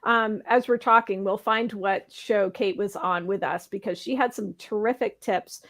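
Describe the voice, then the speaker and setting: A woman hosting a talk show in a casual panel chat, a little hoarse, chatty and often laughing. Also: medium pitch, fairly even intonation, moderate pace, fairly bright tone. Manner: chatty, laughs often, asks rhetorical questions.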